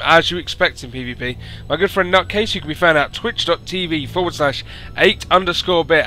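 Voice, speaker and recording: A man, hoarse from losing his voice, hosting and commentating a strategy game by himself and rising to excited announcing at big moments. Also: fairly high pitch. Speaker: esports caster and show host.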